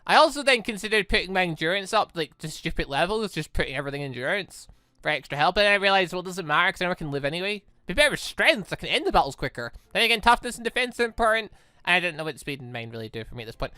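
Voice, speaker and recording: A man's voice: sits high, very animated, racing, sharp tone, dry recording. A man giving casual let's-play commentary, rambling and interrupting himself with playful little sound effects. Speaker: gaming video host.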